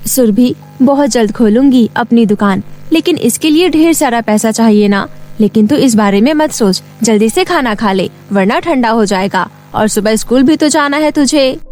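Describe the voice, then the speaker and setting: A woman's voice: on the high side, animated, normal speed, a little mellow, faint music behind, close to an everyday voice. A woman voicing a poor, hardworking young shop girl in a cartoon story, respectful and eager to please. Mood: happy, caring.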